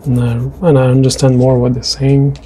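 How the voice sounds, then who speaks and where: Male French Canadian voice-over, native French speaker, hesitant and chatty, mellow tone, mid pitch. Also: flat delivery, moderate pace, slight background noise. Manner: hesitant, many restarts and fillers. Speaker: artist narrating a drawing video. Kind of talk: casual voice-over chat.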